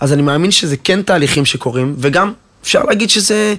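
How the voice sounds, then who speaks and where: A man with an unremarkable speaking voice, fairly high pitch, lively intonation and a moderate pace. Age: 30s. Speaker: marketing director. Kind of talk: interview. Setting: studio.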